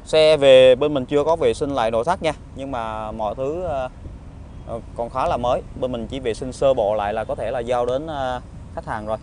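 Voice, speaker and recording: A man with a southern Vietnamese accent giving an informal used car salesman's walkaround pitch, halting often with hesitations and tag words. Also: darkish tone. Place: outdoor car lot, partly inside a car. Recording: outdoor phone recording with traffic ambience.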